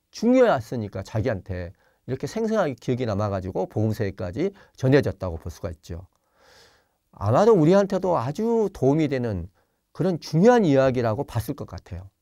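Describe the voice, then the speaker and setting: A Jeolla-born priest lectures over a video call, his pitch rising and falling with lively expression. He explains gently, pausing often with fillers, and slips into acted quotes. The sound is dry and close, with little room in it. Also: no echo. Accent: Jeolla Korean. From Jeolla, Korea. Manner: gentle explaining tone with many pauses and fillers, acts out quoted lines. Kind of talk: online spiritual lecture.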